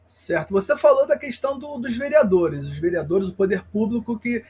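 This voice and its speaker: A Brazilian man works as an interviewer, asking long questions that he rephrases as he goes. His voice sits high for a man and sounds husky. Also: animated, normal speed, darkish tone.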